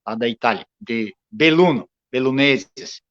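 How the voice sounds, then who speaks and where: A man's voice: medium pitch, unhurried, fairly bright tone. Man, interview guest, hesitant, lots of fillers, muffled lo-fi audio. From southern Brazil. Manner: hesitant, many fillers and restarts. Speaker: guest, writer and cultural association president. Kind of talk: casual interview.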